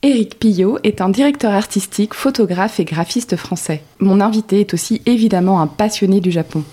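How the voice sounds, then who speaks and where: A woman hosting a podcast, reading her introduction in a calm, measured way and then interviewing her guest. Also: mid-range voice, slightly rough. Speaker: podcast host. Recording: faint music behind.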